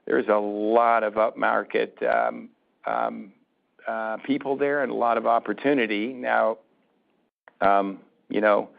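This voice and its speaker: A man answering questions as a company executive on an earnings call, speaking in a halting, deliberate way with restarted phrases. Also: fairly low pitch, fairly even intonation, gravelly. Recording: muffled narrowband phone conference line.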